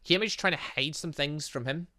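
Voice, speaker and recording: This man hosts a gaming video, voicing a story game's dialogue with offhand remarks and frequent stumbles he corrects as he goes. He sits on the high side, talks quickly, and sounds pushed and bright.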